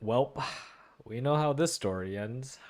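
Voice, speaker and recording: Animated man reacting to a game story. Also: medium pitch, measured pace. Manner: animated, exclamatory, muses aloud. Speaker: gaming content creator.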